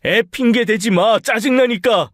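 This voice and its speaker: A man's voice: sits high, measured pace, no room sound, studio quality. A man playing a nagging, bad-tempered husband. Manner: harsh, nagging, rising to shouts. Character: irritable, sick middle-aged husband who scolds his wife. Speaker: voice actor in a story drama. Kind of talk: radio drama acting.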